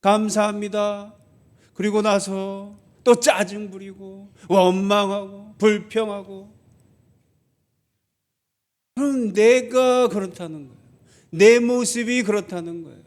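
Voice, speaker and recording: A male pastor with a high voice preaches a sermon to his congregation, posing rhetorical questions and acting out grumbling children in quoted lines.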